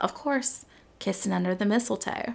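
On a very clean recording with a silent background, a woman speaks in a Southern US accent. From US South. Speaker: podcast host. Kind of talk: casual solo podcast monologue.

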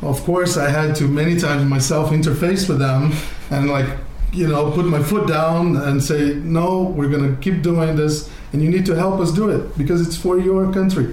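A man with a Brazilian accent speaks in a fairly high voice with fairly even intonation and very even loudness, amid noticeable background noise and audible room echo. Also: moderate pace. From Brazil, Rio de Janeiro. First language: Portuguese (speaking Russian). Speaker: restaurant owner. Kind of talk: interview.

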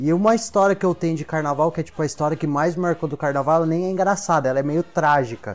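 Very fast and fairly high-pitched, a man talks with ordinary pitch variation. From interior of São Paulo state, Rio Claro. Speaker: podcast co-host. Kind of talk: casual chat.

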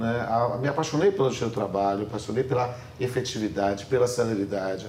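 There is audible echo in the room. A man talks at a moderate pace and a medium pitch, with ordinary pitch variation. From Salvador, Bahia, Brazil. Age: 40s. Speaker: labor judge and law professor. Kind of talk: interview, life story.

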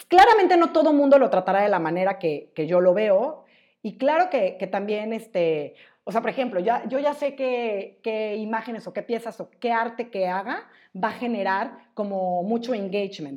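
A woman's fairly high voice in a northern Mexican accent, with lively intonation at a moderate pace over a quiet background. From northern Mexico (Monterrey, San Luis Potosí). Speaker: designer and social media creator. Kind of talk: casual chat.

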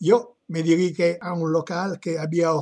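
This man has a high pitch. He speaks with an Italian accent. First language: Italian (speaking Spanish). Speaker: contest participant. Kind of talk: storytelling.

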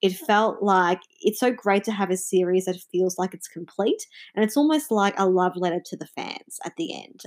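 This woman has an unremarkable speaking voice at a medium pitch. She talks at a moderate pace with ordinary pitch variation. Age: 30s. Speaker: listener leaving voicemail. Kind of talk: voicemail message.

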